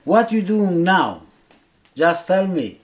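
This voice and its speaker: A man with a Kurdish accent interviewing casually in simple, halting non-native English, often repeating words. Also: high-pitched, big pitch swings.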